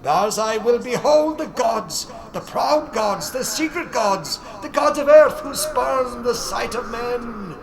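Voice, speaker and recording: Shrill, exultant old prophet. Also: male voice, expressive, music in the background, full character voice. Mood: ecstatic, boastful. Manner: shrill, wild, slow proclaiming shouts. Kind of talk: dramatic audiobook character voice.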